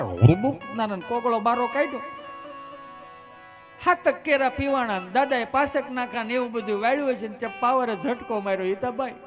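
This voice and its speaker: Man, high voice, chatty folk comedy storytelling, faint music behind. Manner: chatty, animated, quick character switches.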